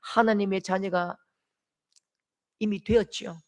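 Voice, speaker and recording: A middle-aged man with a Gyeongsang Korean accent preaching a sermon, acting out quoted voices and swinging from loud shouts to soft, tender lines. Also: high voice, steady tone, measured pace. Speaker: pastor.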